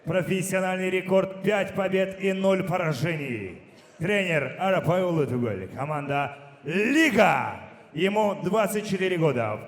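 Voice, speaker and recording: A man working as a ring announcer, booming out fighter introductions in a declamatory way and stretching names into long shouts. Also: lively intonation, measured pace. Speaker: ring announcer at an MMA event. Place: large indoor fight venue, over a PA. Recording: echoey hall with long reverb.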